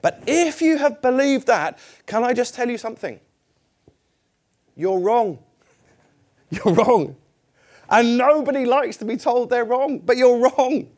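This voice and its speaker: A man's voice: very high-pitched, moderate pace, hardly any pauses, darkish tone. A middle-aged man preaching a sermon in a church, conversational and self-deprecating, putting questions to the congregation.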